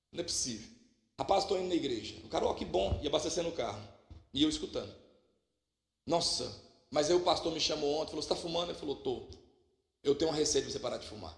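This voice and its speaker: A man preaching a lively, humorous sermon with a Minas Gerais accent, jumping from loud exclamations to quiet asides. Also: on the high side, gravelly. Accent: Minas Gerais Portuguese. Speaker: pastor. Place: church hall. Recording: echoey church hall.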